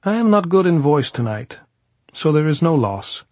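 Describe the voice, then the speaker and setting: A man's voice: a little high, big pitch swings, normal speed, a little mellow, no echo, pitched above the performer's own voice. A man voicing a tipsy, mocking gypsy guerrilla in an audiobook novel, urging insistently in stilted old-fashioned phrases. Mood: tipsy, apologetic.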